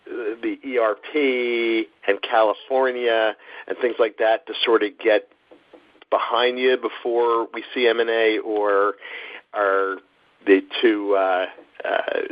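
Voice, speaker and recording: A man with a lowish voice on dull, dry call audio. He is an analyst posing questions, stopping and restarting his phrasing as he feels his way along. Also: flat delivery, dry recording. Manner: halting, rephrases questions mid-sentence. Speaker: financial analyst asking questions.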